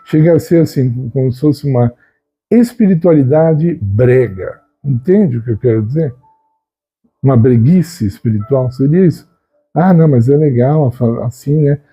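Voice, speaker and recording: A man giving an unhurried, conversational spiritual talk, often tagging his sentences with a questioning "né?". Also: mid-range voice, lively intonation, mellow, slightly rough, lo-fi sound. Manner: unhurried, conversational, frequent "né?" tags. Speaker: Christian video host. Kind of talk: reflective spoken teaching.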